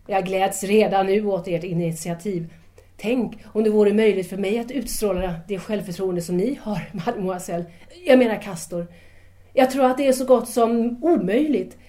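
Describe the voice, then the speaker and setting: A woman's voice: mid-range voice, warm tone, close to an everyday voice. An actress playing a shy, admiring seventeen-year-old schoolgirl in an audio drama, polite, tentative and eager.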